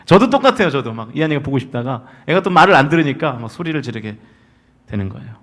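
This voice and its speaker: With a medium pitch, big pitch swings, and a quick pace, this senior pastor in his forties preaches on Sunday in the church sanctuary. His delivery alternates between forceful, loud calls and gentle storytelling.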